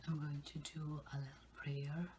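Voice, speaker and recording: A woman hosting an ASMR eating video, talking in a soft, unvoiced whisper close to the microphone. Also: deep voice, flat delivery, normal speed, background noise. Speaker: ASMR channel host.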